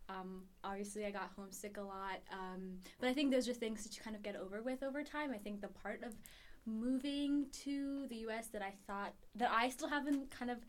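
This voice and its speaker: Young woman, from Ethiopia, podcast guest, thoughtful, pauses to find words. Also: a little high. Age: 20s. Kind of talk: casual interview.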